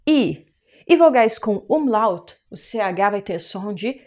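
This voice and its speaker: A woman's voice: medium pitch, lively intonation, a little mellow. Brazilian woman teaching a German lesson. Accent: Brazilian Portuguese. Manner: patient, explains step by step, slows down for example words. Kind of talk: online language lesson.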